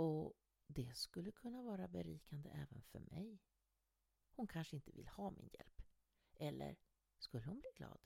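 A woman talks at a moderate pace, stopping often for long pauses. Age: 50s. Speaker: podcaster and short story author. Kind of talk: personal reflective monologue.

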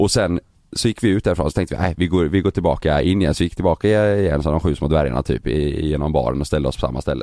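A man's very deep, low voice with vocal fry and a dark, mellow tone, very fast in pace, very even in loudness, with ordinary pitch variation, on a very clean recording with a silent background. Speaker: podcast co-host. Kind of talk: casual chat. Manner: animated storytelling.

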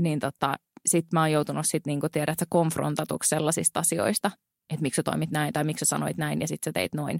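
A woman's very deep, low voice with vocal fry, fairly even intonation and a very fast pace, in a very clean recording with a silent background and a dry, close sound free of echo. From Finland, Helsinki. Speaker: podcast host and influencer. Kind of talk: casual interview.

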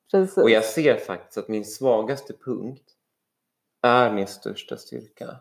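A man talks at a fairly slow pace with big swings in loudness. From Sweden, Stockholm area (Värmdö). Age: 20s. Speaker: guest, system operator. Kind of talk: casual chat.

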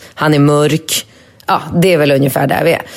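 A woman's very deep, low-pitched voice. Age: 40s. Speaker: podcast co-host. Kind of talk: casual chat.

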